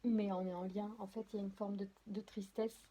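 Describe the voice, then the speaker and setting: A woman's voice: mid-range voice, flat delivery, brisk, warm tone, slight background noise. Hesitant woman reading tarot cards. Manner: hesitant, many fillers and restarts, apologetic; addresses viewers directly. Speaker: tarot and oracle card reader. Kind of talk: casual spoken card reading.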